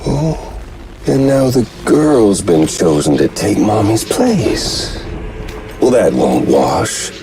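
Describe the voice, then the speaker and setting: Brief: taunting game villain, wildly swooping delivery, slow and drawn out. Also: male voice, lowish voice, sing-song, background noise, exaggerated voice. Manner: taunting, drawn-out, sing-song mockery. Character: theatrical sneering male villain, mocking and cruel. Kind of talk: video game cutscene acting.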